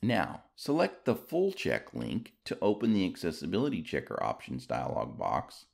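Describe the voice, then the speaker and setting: A man narrates a scripted tutorial in a very low voice with a touch of gravel. He takes his time, and his pitch moves in a lively way as he gives each instruction. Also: moderate pace.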